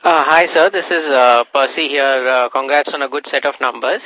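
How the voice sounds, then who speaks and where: A man's voice: medium pitch, sharp tone, dry recording. A man asking a spontaneous, very hesitant question as a financial analyst on a call. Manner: halting, heavy hesitation. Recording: dull, dry phone line.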